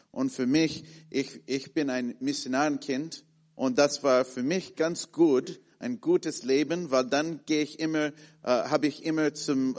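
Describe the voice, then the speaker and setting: A man in his thirties with an American accent, preaching in a halting way with many fillers and restarts as he searches for words. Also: mid-range voice, a little mellow. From born in Malaysia, raised in the USA and the Philippines. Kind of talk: sermon with personal story.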